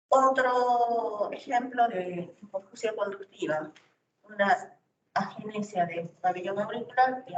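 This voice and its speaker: A woman giving a university lecture, explaining step by step and often checking in with rhetorical questions. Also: mid-range voice. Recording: distant, roomy, dull lo-fi recording with faint noise.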